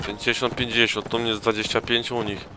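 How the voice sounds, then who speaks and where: A man's voice: mid-range voice, level tone, brisk, background noise. A tired man giving crude casual gaming commentary, swearing heavily and throwing in mock battle cries. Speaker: let's play gamer.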